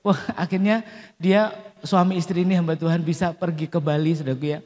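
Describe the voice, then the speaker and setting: Male pastor, warm mellow tone, storytelling sermon, long church hall reverb. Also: on the high side, fairly even intonation, brisk. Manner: storytelling with acted quotes, calls and amens to the congregation.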